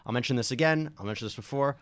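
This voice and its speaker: A man's voice: mid-range voice, racing, dry recording. Man co-hosting a casual legal talk show. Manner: explains legal points conversationally, jokes along. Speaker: podcast co-host. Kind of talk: casual legal news discussion.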